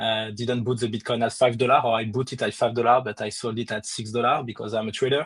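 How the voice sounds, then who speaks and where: This man talks with a strong French accent at a fairly quick pace. His voice is somewhat breathy. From France. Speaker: crypto project lead. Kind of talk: casual live audio chat. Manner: halting, many fillers.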